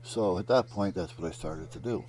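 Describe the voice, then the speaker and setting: Deep, mellow-voiced man explaining a repair. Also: moderate pace. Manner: rambling, step-by-step explaining. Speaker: hobbyist narrating a repair project. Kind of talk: casual voice-over explaining a DIY wiring repair.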